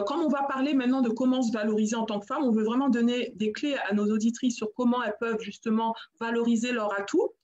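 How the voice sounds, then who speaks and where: A French woman hosts a live chat show, talking in a lively, encouraging way and slipping in English phrases. Her voice sits fairly high. The audio is muffled, like a live stream. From France. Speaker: host.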